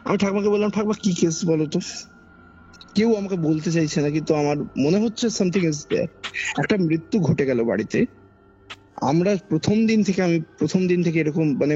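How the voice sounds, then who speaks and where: A man's husky, gravelly voice, a little high with a dark tone and a Kolkata Bengali accent, recounts a ghostly personal experience on a podcast. He tells it in a dramatic, conversational way, using repetition for emphasis, and the dull lo-fi audio lies beneath background music.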